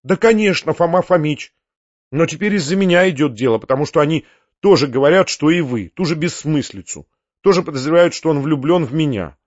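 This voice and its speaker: An earnest young woman, reproachful and quick to flare up, as a male reader puts her on, lifting her voice higher into pleading and scolding exclamations. The recording is dry and a bit muffled. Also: lively intonation, no echo. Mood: bitter. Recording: dull, muffled audiobook recording.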